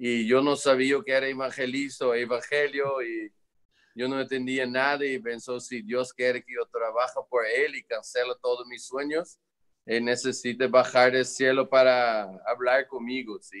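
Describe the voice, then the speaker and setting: A man with a medium-pitched voice talks at a fairly slow pace with fairly even intonation and big swings in loudness, in a dry, close sound with no echo. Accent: Portuguese. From Netherlands. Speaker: missionary. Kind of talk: testimony.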